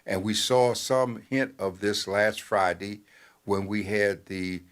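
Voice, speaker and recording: An older man, a newspaper editor, giving talk-show commentary in a measured, halting way with many fillers. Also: on the low side, steady tone.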